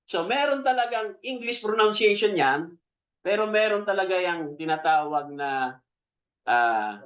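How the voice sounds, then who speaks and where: Filipino guy preaching, talks like a chat, slightly high voice, keeps checking in w the crowd. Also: fairly bright tone. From Philippines. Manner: conversational, checks in with the congregation; slows down to stress key words. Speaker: pastor. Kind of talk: Taglish sermon teaching.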